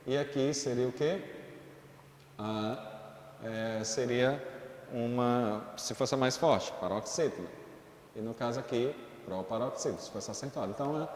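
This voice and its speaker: A man's voice: medium pitch, darkish tone, slight background noise. Brazilian male teacher in an echoey room. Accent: Brazilian Portuguese. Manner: explains step by step, checks in with "tudo bem, gente?". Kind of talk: online school lesson.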